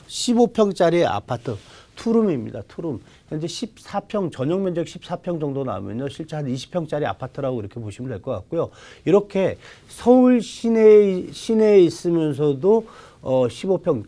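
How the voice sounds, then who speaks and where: A man speaking as a real estate expert on a TV advice show, explaining off the cuff in polite formal speech, halting and repeating his phrases. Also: a little high, dark tone. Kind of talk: unscripted expert consultation.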